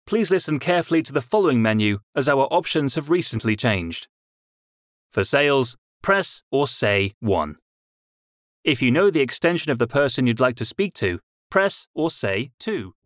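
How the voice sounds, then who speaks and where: A man giving a recorded phone menu announcement in a measured, formal, courteous way. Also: mid-range voice, very animated, a bit bright, no room sound, clean studio sound.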